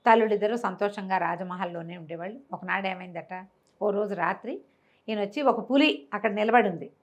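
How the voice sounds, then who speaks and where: A woman's voice: medium pitch, brisk. A woman with a Telugu accent telling a folk tale conversationally, explaining as she goes and acting out dialogue in her own voice. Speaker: storyteller.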